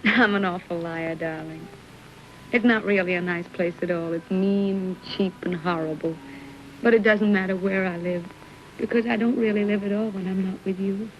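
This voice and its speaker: An actress playing a lovesick young woman reading out a letter to her lover in a soft, tender, wistful voice, in 1930s film style. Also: mid-range voice, steady tone, moderate pace, lightly acted. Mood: tender longing. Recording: muffled old film soundtrack with faint music.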